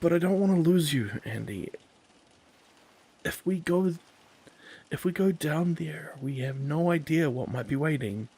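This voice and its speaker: A man's voice: fairly high pitch, expressive, a little slow, long pauses, warm tone, husky, pitched above the performer's own voice, full character voice. A man voicing an anxious young man who stammers and defends himself to his partner. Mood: nervous.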